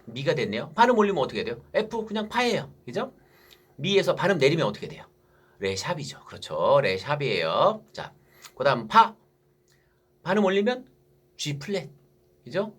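A man's voice: fairly high pitch, fairly bright tone, husky. A man teaching basic music theory for saxophone, asking his students questions and answering them himself.

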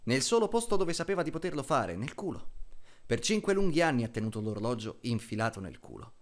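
A man playing a solemn middle-aged military officer in a film dub, speaking to a child in a measured, deliberate way with dramatic pauses. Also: mid-range voice, very animated. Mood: earnest, deadpan. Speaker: voice actor dubbing a film character.

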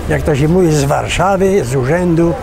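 A middle-aged man in a street interview, speaking slowly and earnestly, searching for words. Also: on the high side, creaky, noisy background. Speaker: local resident interviewed. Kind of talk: street vox pop. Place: outdoors on a street.

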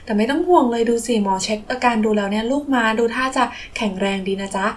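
Woman as a gentle, reassuring vet, high voice. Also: fast, lightly acted. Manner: gentle, soothing. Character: kindly, reassuring veterinarian. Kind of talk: children's toy play storytelling.

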